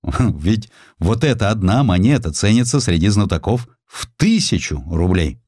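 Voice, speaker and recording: A man's voice: fairly low pitch, sing-song, moderate pace, a little mellow, slightly rough, no echo, clean studio sound, heavily acted. A man voicing an indignant, educated state councillor in an audiobook, offended and emphatic. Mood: indignant, scoffing.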